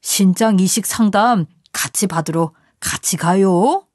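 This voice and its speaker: A woman's voice: medium pitch, expressive, a little slow, a little mellow, husky, dry recording. A woman voicing a manipulative, threatening husband in an audio story, coaxing and menacing by turns, recorded dry and close.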